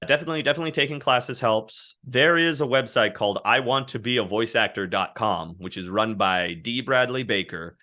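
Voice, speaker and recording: A man who works as a voice actor, chatting as a guest and telling animated stories about his work. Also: medium pitch, fairly quick, few pauses. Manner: animated, anecdotal storytelling. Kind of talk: casual interview chat.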